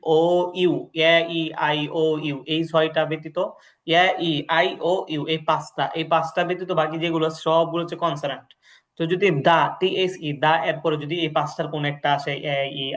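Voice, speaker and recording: Man, teacher, slow repeated drill phrases, quick explanations, questions for the class, slightly high voice. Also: a bit bright. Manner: repeats English phrases slowly, then fast Bengali explanation; addresses learners directly, asking check questions. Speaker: English teacher. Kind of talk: classroom lesson, explaining in Bengali.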